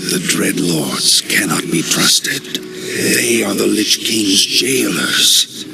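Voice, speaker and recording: Kel'Thuzad, gravelly ghost necromancer. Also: male voice, lowish voice, expressive, slow, loud music behind the voice, exaggerated voice. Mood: conspiratorial. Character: ghostly male necromancer spirit, smug and scheming. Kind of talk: video game cutscene acting. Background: loud orchestral score.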